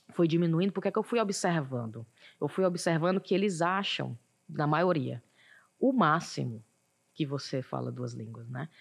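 Her fairly low voice carries vocal fry and lively intonation as this woman talks at a moderate pace. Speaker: journalist and podcaster. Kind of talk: casual interview.

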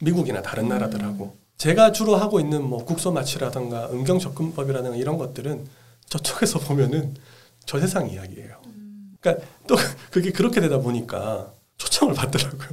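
There is audible room echo on this recording. A man with a fairly high pitch speaks at a fairly quick pace. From Daegu, South Korea. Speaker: surgeon, clinic director. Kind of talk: interview conversation.

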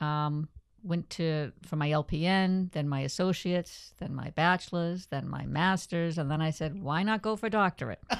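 With an American accent and a plain, everyday voice, a woman talks at a moderate pace in a fairly low pitch, with ordinary pitch variation, hardly any pauses, and a very clean recording over a silent background. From Massachusetts, US. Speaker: nursing professor. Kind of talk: casual interview.

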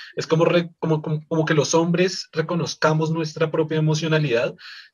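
Here a man speaks with a Colombian accent at a moderate pace. His voice is fairly high and somewhat breathy. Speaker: podcast host. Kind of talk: casual discussion. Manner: halting, repetitive.

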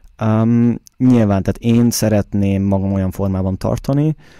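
In a very clean recording with a silent background, a man speaks at a fairly low pitch in a dark, mellow tone. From Hungary. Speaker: amateur footballer. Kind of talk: interview. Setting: studio.

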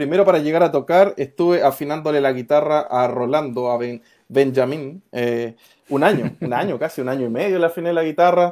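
Dark and mellow in tone, a man's voice sits at a fairly high pitch. He talks at a moderate pace with ordinary pitch variation. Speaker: church musician. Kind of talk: testimony. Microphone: unstable internet connection.

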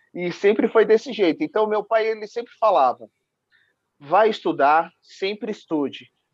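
Ordinary pitch variation marks this man's voice at a moderate pace. The sound is dry and close, with no echo. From São Paulo, East Zone. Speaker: restaurant owner. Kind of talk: casual interview chat.

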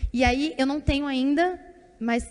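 A woman's shrill voice moves with lively intonation. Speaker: church preacher. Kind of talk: sermon. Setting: church stage with PA.

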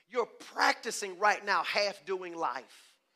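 A man's raised, projected voice, high-pitched and animated in tone. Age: 50s. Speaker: pastor. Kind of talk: sermon.

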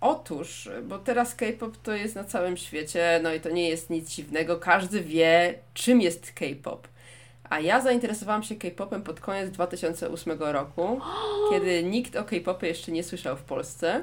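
At a fairly slow pace, a woman with an unremarkable speaking voice talks in a fairly low pitch with lively intonation. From Poznań, Poland. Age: 30s. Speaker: podcast host, lives in Korea. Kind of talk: casual chat.

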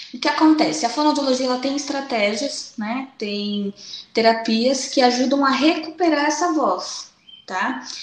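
Over noticeable background noise and audible room echo, a woman speaks fairly slowly at a high pitch with ordinary variation. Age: 20s. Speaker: speech therapist. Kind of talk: interview.

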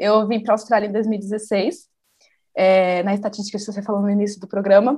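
Fairly high in pitch, this is a woman speaking. She has a plain, everyday voice. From Brazil. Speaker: emigrant guest. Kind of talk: casual interview.

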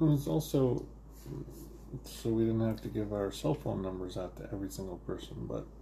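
A very deep, low male voice with very wide pitch swings over noticeable background noise. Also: moderate pace. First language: Spanish. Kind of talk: casual family chat.

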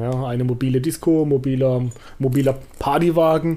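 This man speaks at a fairly high pitch. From Baden, Karlsruhe. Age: 40s. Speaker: DJ. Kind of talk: casual chat.

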